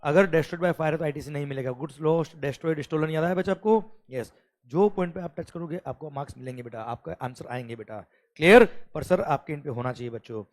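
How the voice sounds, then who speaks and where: Male teacher with an Indian accent, fairly high voice, exam-prep lecture, mixes English and Hindi, keeps checking with students. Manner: calls students "beta", asks "clear?" often, reads English questions slowly.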